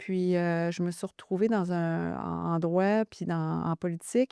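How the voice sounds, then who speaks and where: A woman's dark, mellow tone with a Lac-Saint-Jean accent, dry and close with no echo. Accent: Lac-Saint-Jean Quebec French. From Quebec, Lac-Saint-Jean. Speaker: former politician and business executive. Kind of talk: podcast interview. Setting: studio. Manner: halting, many fillers.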